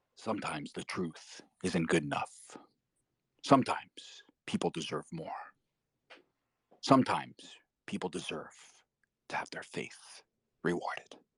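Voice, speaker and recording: A man uses a put-on character voice, gravelly and raspy, at a very deep, low pitch in a serious tone. He keeps a moderate pace with long, frequent pauses. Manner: grim, serious.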